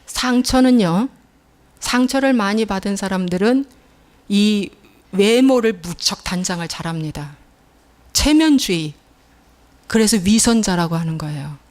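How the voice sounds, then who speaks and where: A woman's voice: medium pitch, animated, a little slow, pauses often, a little mellow. A middle-aged woman pastor preaching a sermon in a church, telling stories emphatically and acting out the scolding voices she quotes.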